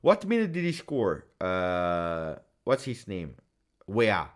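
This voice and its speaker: A man with a very deep voice talks about football in a casual recap. His pitch swings widely as he chats. French is his first language, and he talks passionately with plenty of fillers. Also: slow. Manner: animated, passionate, frequent fillers. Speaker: football video host.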